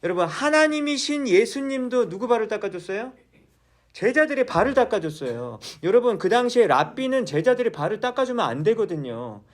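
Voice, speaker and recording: A man's voice: high voice, big pitch swings, a little fast. A male pastor preaching a sermon in a church, asking the congregation questions and then answering them himself.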